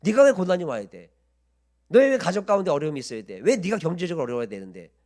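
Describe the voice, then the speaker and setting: A sly, wheedling Satan who fakes friendly sympathy, pitched high and lively, as a man acts him out in a sermon. He coaxes and persuades with a false, caring tone. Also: fast talker.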